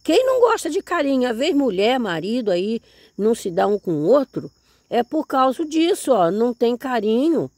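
A woman's voice: fairly high pitch, big pitch swings, normal speed, darkish tone, no echo. A woman, chatting folksily while tending her garden outdoors. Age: 70s. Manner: chatty, folksy, keeps saying "look here", religious exclamations. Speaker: grandmother gardening vlogger. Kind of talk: casual chat while tending plants.

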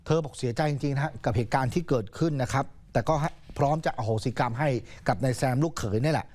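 Man, news anchor, conversational storytelling, chatty and casual, slightly high voice. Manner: casual, chatty, uses polite particles.

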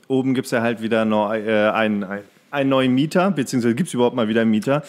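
Male podcast co-host, medium pitch, loose conversational anecdote style. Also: quick pace. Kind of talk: casual chat, anecdote telling.

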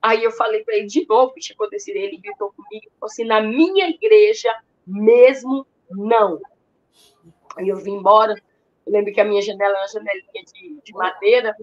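A woman's voice: medium pitch, steady tone, rapid-fire. A Brazilian woman shares her personal conversion testimony in an emotional, storytelling manner, often turning to address her listeners directly. The recording sounds somewhat dull and lo-fi. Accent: Brazilian Portuguese. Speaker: testimony speaker at a ministry.

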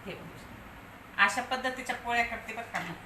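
A woman's voice: fairly high pitch, moderate pace, reverberant, heavy background noise. A woman, talking viewers through home cooking in a chatty, step-by-step way. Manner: scolding and coaxing a pet dog. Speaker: vlogger.

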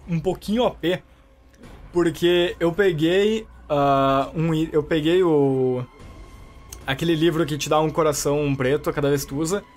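A man with a Brazilian Portuguese accent commenting on his gameplay in a chatty way, reacting loudly and joking at enemies. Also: a little high. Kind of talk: let's play commentary.

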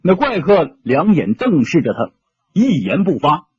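Husky, lively-voiced male storyteller. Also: on the high side, unhurried, dull audio. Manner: expressive, shifting tone with the action. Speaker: audiobook narrator. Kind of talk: dramatic storytelling narration.

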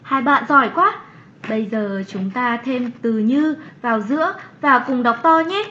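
A kind young cartoon schoolteacher, fairly high in pitch. She encourages her pupils in measured phrases, on a slightly dull recording. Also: animated, bright, forceful tone, slight background noise. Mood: instructive. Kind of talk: children's educational cartoon lesson.

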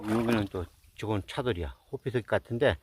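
A man's voice: fairly low pitch, a little fast, background noise. A middle-aged man talking casually outdoors in a mountain stream, muttering and repeating words as he looks at rocks. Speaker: rock-hunting vlogger.

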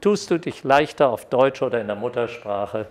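An older man giving an academic lecture at a podium microphone, lively when reading examples aloud. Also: mid-range voice, moderate pace, heavy background noise. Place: lecture hall. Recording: echoey hall.

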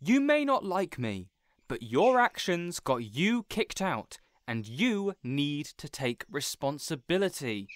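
A man playing a weary, reasonable young supervillain boss in a scripted audio roleplay, hesitant yet measured and exasperated. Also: fairly high pitch, big pitch swings, no echo. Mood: exasperated, firm.

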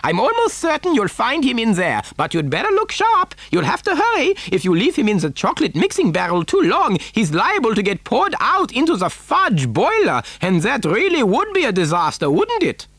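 A man's voice: very high-pitched, wildly swooping pitch, normal speed, hardly any pauses, fairly bright tone, no room sound, pitched above the performer's own voice, full character voice. A man voicing a frantic, giggly, eccentric chocolate factory owner in an exclamatory, fussy manner for a storybook. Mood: gleeful urgency.

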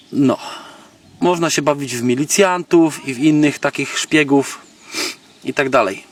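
The recording is noisy, with a distant microphone and clicking in the background. On it, a Polish man with a higher-leaning voice casually demonstrates a gadget for his video blog, speaking off the cuff in a halting, slangy, think-aloud manner.

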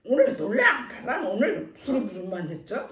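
A woman's voice: a little high, huge pitch swings, moderate pace, roomy sound, noisy background. An older woman chatting casually with her son at a home table while eating, giving short simple answers. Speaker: mother. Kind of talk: casual mealtime chat. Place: home dining table, indoors. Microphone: camera across the table.

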